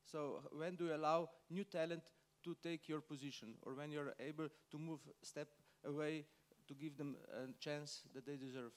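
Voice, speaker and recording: A man with a fairly high voice speaks on a business panel. He pauses often and reaches for his words as he talks. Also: steady tone. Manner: hesitant, filler-heavy, non-native phrasing. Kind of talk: panel discussion answers.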